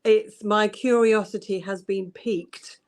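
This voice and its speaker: Woman guest on a book chat call, slow and hesitant, lots of ums. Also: mid-range voice, fairly even intonation, a little mellow, slight background noise.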